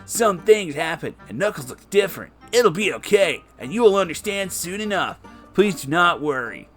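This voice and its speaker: Dude doing a cocky-confident cartoon hedgehog teen hero, breezy, bit high, bouncy delivery. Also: male voice, very animated, moderate pace, fairly bright tone, soft background music. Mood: reassuring.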